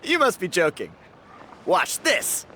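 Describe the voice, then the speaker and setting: A man's voice: sits high, wildly swooping pitch, takes it slowly, a little hiss or hum, heavily acted. A man voicing a cocky, friendly young tribal dancer in a video game, talking in an easygoing, boastful way. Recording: game audio with loud music underneath.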